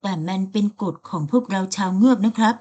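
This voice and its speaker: A woman's voice: mid-range voice, fairly even intonation, quick pace, dark tone, pitched above the performer's own voice, natural voice. A woman voicing Ava, a coaxing young merman. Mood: pleading. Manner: pleading, whiny and coaxing. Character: sweet young male mermaid, pouty and coaxing.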